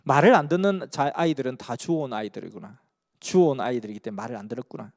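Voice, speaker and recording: Gravelly preacher. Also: male voice, medium pitch, quick pace, a little mellow. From Busan, South Korea. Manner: earnest, emphatic storytelling. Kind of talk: sermon storytelling. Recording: long hall reverb.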